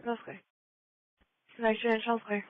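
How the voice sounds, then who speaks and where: A woman's voice: on the high side, flat delivery, normal speed, background noise. A female dispatcher giving brief acknowledgements over a two-way police radio. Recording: dry, tinny radio channel.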